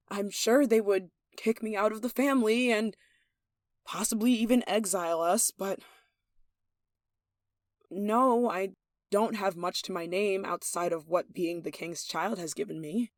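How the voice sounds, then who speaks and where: A woman's voice: mid-range voice, no echo, clean studio sound, natural voice. A woman acting a lovestruck, possessive young royal in an intimate roleplay, tender and playfully commanding. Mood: frustrated, pleading. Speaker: voice actor in an audio roleplay.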